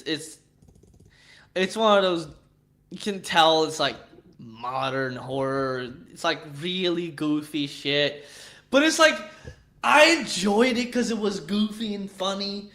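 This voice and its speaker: A man's voice: sits high, bright, forceful tone. A man with a Swedish accent chatting casually with viewers on a livestream, rambling and swearing, with frequent restarts. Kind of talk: casual chat.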